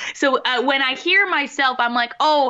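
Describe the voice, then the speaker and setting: In a slight Philadelphia accent, a woman talks in an animated tone over noticeable background noise. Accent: Philadelphia, slight twang. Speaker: podcast host and singer. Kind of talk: casual chat. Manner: animated, laughs often.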